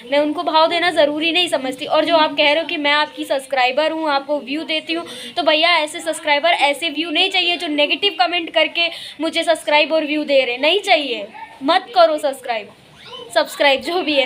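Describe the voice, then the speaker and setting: Young woman vlogger with a high voice, talking back at haters, outside in a rainy park. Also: fairly bright tone. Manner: defiant, rants at negative commenters. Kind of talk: casual vlog talk to camera. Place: outdoors in a park in the rain.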